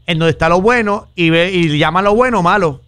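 A man's voice: high voice, brisk, fairly bright tone, clear, resonant tone, no room sound. A man in casual panel banter.

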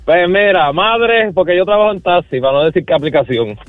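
A man rants bluntly on a tinny, dry phone line, his voice pitched well above most men. His talk is slangy and exasperated. Faint music plays behind. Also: expressive, a little fast, dry recording. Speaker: caller, rideshare driver. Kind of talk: phone call-in complaint.

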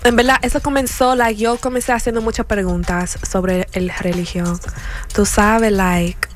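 A woman's voice: mid-range voice, fairly even intonation, measured pace, a little hiss or hum. A young woman from the United States chats as a radio guest in a studio. She talks freely and drops English words into her sentences. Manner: chatty, mixes in English words. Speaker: guest artist. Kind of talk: casual radio chat.

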